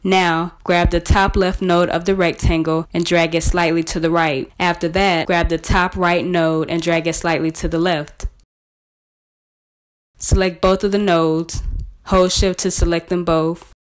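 A woman presenting a scripted step-by-step software tutorial in a measured, instructional way. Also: fairly low pitch, level tone, clear, resonant tone.

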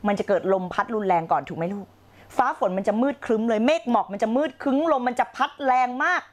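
A middle-aged woman coaching on a live stream, blunt and slangy, acting out her past self with shouted outbursts. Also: fairly high pitch, expressive, quick pace. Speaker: life coach. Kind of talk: live-streamed motivational talk.

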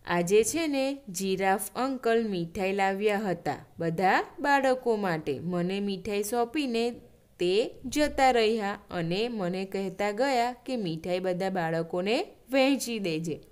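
A woman's voice: mid-range voice, expressive, takes it slowly, a little mellow, smooth. A woman voicing a pleading little mouse. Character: little boy mouse with a stomach ache.

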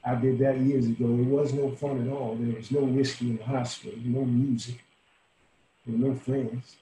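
A man's voice: medium pitch, level tone, normal speed, mellow, lightly acted. An actor in his sixties playing a dying, world-weary old bar owner in a folksy, salty, intimate dramatic monologue. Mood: weary, resigned. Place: small room at home, indoors. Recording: roomy home webcam audio, faint hiss.

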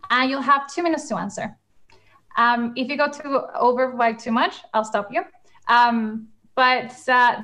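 A woman's voice: on the high side, bright, forceful tone. A young woman hosting a panel over a video call, upbeat and enthusiastic, with frequent fillers. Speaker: panel moderator. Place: home room, in England.

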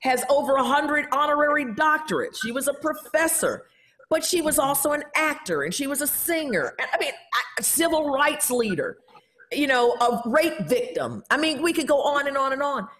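A middle-aged woman hosting a casual video call chat from home, lively and exclamatory, calling out to guests directly. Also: sits high, normal speed. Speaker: host. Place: home room with bookshelves.

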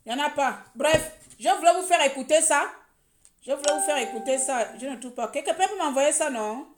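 High-pitched woman ranting in an echoey room. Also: brisk, noisy background. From Gabon. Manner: heated and mocking, repeating words. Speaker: online commentator. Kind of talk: live social media rant.

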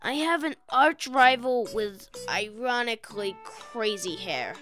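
A woman's voice: on the high side, expressive, measured pace, fairly bright tone, faint music behind. A woman playing a cheeky, playful young boy in a fan audio drama.

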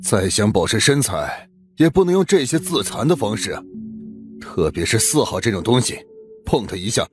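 An actor playing a blunt, commanding middle-aged police captain in an audiobook drama. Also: male voice, on the low side, very animated, normal speed. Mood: appalled. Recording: music under the voice.

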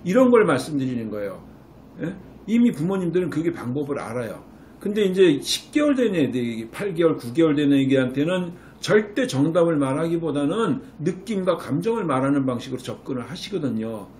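A middle-aged man, a clinic director, lectures parents on raising children, animated, acting out what a mother might say. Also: on the high side, brisk, slight background noise. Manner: animated, acts out a mother's voice when quoting. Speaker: Korean medicine clinic director giving parenting advice.

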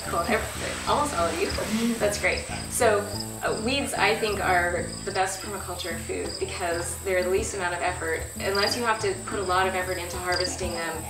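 A woman in her thirties leads a class from a flip chart and keeps asking the group questions. She is picked up by a distant camera in a roomy outdoor pavilion. Steady noise and crickets sit behind her. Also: fairly low pitch, normal speed. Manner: friendly, asks the group questions. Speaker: workshop teacher. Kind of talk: teaching a workshop class. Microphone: far camera. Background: insects and crickets.

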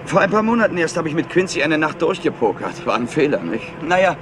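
An actor playing a clever, slightly overexcited nephew of a rich family in a crime radio play, glib and excitable. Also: male voice, on the high side, fast talker, background noise. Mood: excited, glib.

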